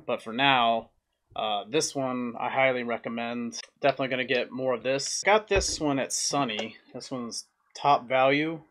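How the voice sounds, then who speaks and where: A young man with a mid-pitched voice talks casually to camera as a food review vlogger. His delivery is plain-spoken and comes in short, halting phrases. He is recorded indoors in a small room, a little way from the camera. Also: fairly bright tone. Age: young adult.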